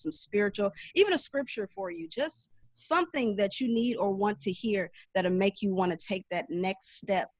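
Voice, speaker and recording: A woman's voice: medium pitch, no room sound. An American woman talking as a panelist in a casual motivational chat, earnest and supportive. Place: at home on an online video panel, windows open.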